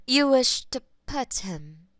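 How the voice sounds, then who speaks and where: Woman as a possessive demon mistress, teasing, slow purring delivery, soft whispers, dry close sound. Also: high voice, sing-song, no room sound, heavily acted. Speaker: voice actor in an audio roleplay. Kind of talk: audio roleplay acting.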